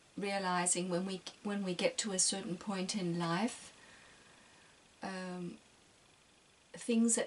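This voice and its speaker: The pace is fairly slow. A woman's intonation remains fairly even. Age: 60s. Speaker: spiritual video blogger. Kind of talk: casual reflective monologue. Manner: hesitant, many fillers.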